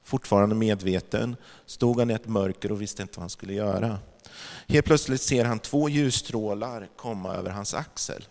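A man sharing a spiritual testimony in a sermon-like talk, telling the story reflectively with pauses and fillers. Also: fairly low pitch, a little mellow. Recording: long hall reverb.

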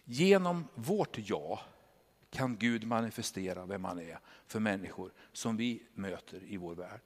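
A man in his fifties preaches with an animated, storytelling delivery and keeps tossing rhetorical questions to his congregation. His voice rings through a large church hall with a long reverb tail. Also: lowish voice. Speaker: pastor. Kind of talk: sermon.

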